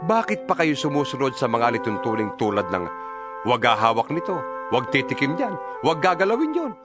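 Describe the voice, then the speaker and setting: Man reading as an earnest, animated Filipino apostle. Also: medium pitch, loud music behind the voice, close to an everyday voice. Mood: earnest exhortation. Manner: solemn, emphatic, measured exhortation. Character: earnest male apostle exhorting his followers by letter. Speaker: Bible reader voicing an apostle's letter. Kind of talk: dramatized scripture reading.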